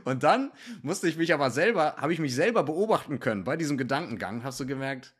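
A man's voice: a little high, lively intonation, fast, breathy edge. A man talking as a podcast guest and meditation teacher, reflective and loose, dropping English slang into casual talk.

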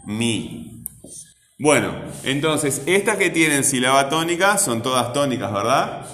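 A man's voice: medium pitch, expressive, normal speed, sharp tone. A man teaching a grammar lesson to a class. He asks patient, coaxing questions and sounds out words syllable by syllable. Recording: echoey classroom, roomy reverb.

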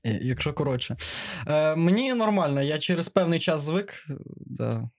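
A man's voice: a little high, lively intonation, moderate pace, dry recording, studio quality. A young man, co-hosting a casual film podcast, laid-back and wry with crude slang. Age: young adult. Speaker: podcast co-host.

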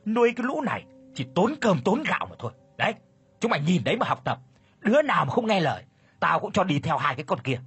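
A man's voice: a little high, brisk, fairly bright tone, slightly rough, no echo, faint music behind. A man voicing a brutal older landlord who curses and bellows at his servants. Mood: furious. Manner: bellowing, cursing.

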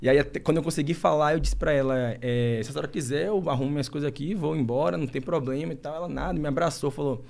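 A young man from Brazil talks rapidly as an interview guest. His voice sits a little high, and he breaks off, restarts and pushes on through an emotional personal account. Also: gravelly, a little mellow. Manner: emotional, halting, many restarts and fillers.

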